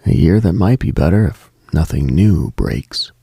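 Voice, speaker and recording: A man hosting a late-night radio show, speaking a slow reflective monologue in a hushed, half-whispered delivery. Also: sits low, expressive, creaky, slightly rough, dry recording, clean studio sound.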